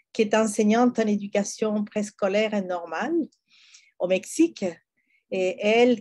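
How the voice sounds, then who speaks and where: Mellow-voiced woman moderator. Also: medium pitch. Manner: fluent with frequent fillers and restarts. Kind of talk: formal introduction of a guest.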